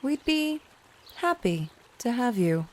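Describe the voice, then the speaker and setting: An actress playing a haughty, menacing envoy of an elite enclave, deliberate and mock-polite, in a radio drama broadcast. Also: female voice, a little high, big pitch swings, darkish tone, soft background music. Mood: coolly inviting.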